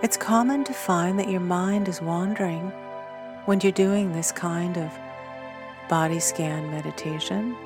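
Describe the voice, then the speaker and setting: A woman leading a guided body scan meditation in a gentle, soothing manner. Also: fairly low pitch, unhurried, music in the background.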